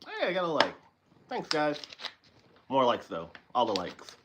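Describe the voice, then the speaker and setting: A man hosting a live stream in casual chat, animated and rambling, often correcting himself and laughing. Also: mid-range voice, unhurried, a little hiss or hum.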